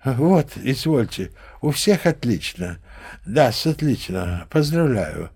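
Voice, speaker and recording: Slow, pompous old sea captain. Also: male voice, medium pitch, sing-song, vocal fry, darkish tone, husky, heavily acted. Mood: approving, dreamy. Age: older. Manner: pompous, theatrical, savouring drawn-out phrases. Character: grandiose, boastful old sea captain, eccentric storyteller. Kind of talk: audio play character acting.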